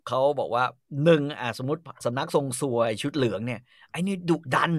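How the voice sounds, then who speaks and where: A man telling a story in a casual chat, animated and full of crude slang, acting out bits of dialogue. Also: mid-range voice, a little fast, dry recording, clean studio sound. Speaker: storyteller host.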